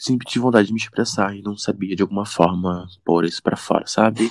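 In an ordinary speaking voice, a man talks at a moderate pace and a fairly low pitch with fairly even intonation, the sound dry and close with no echo. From Brazil, Rio de Janeiro (Baixada Fluminense, Nova Iguaçu). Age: 20s. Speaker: podcast co-host. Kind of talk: casual chat.

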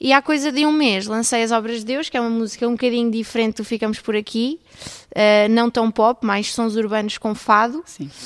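A woman talks fairly quickly in a fairly high pitch, with a plain, everyday voice. Her pitch variation is ordinary, and the sound is dry and close with no echo. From Portugal, Coimbra. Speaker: singer. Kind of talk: interview.

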